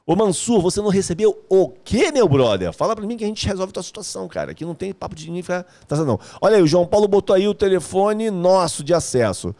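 Male live-stream host, slightly high and very animated voice, slangy and joking with the chat. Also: fast talker, hardly any pauses. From Rio de Janeiro, Brazil. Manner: energetic, slangy, joking, calls viewers "meu brother". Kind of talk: casual live-stream chat reading viewer comments.

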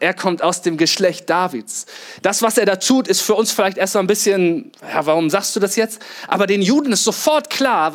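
Male pastor, higher than usual voice, lively sermon storytelling with acted-out lines and questions to the congregation. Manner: lively storytelling, acts out quotes, rhetorical questions.

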